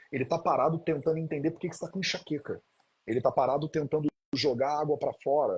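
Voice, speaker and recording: Somewhat breathy, a man rattles along at a very fast pace. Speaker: Ayurveda practitioner. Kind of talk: live-stream interview. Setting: live online stream. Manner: conversational, animated.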